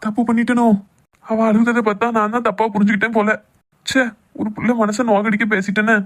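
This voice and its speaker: A man's voice: high voice, flat delivery, fast, fairly bright tone. A man playing a hurt, jealous young lover in a cartoon love drama, with a southern Tamil Nadu accent. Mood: worried, remorseful.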